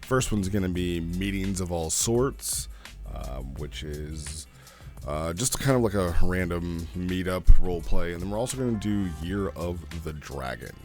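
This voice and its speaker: A man's voice: low-pitched, expressive, unhurried, darkish tone, soft background music. A man hosting a review in a casual, conversational and opinionated commentary style. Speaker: host reviewing roleplay logs. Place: home recording studio.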